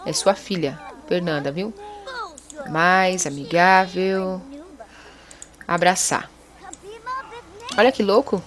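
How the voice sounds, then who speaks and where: A woman hosting a gaming video, chatty and excitable as she exclaims to her viewers. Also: lowish voice, slow, pauses often. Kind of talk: casual let's-play commentary.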